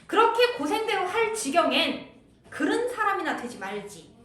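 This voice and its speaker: A woman teaching a literature class, explaining a classical text line by line and acting out the characters' lines in a high, tearful voice. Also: big pitch swings, moderate pace, a bit bright, reverberant, recorded from a distance.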